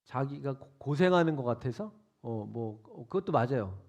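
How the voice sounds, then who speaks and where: In a church sanctuary, a youth pastor preaches an interactive sermon to teenagers in a casual, conversational way, quizzing them and having them repeat after him. His mid-range, darkish voice is expressive at a moderate pace, with the highs cut off.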